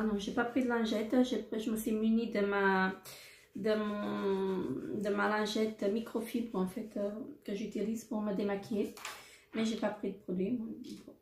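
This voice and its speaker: A woman's voice: medium pitch, darkish tone, echoey room. A woman presenting a makeup haul in a casual, hesitant way, with many fillers and repeated words. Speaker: beauty vlogger.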